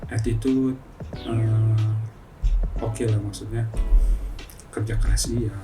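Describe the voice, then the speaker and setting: A man's voice: on the low side, steady tone, slow. Easygoing guy, lots of ums and little laughs, distant mic, music in the background. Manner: casual, hesitant, many fillers, laughs often. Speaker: guest, financial office employee. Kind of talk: relaxed conversational interview.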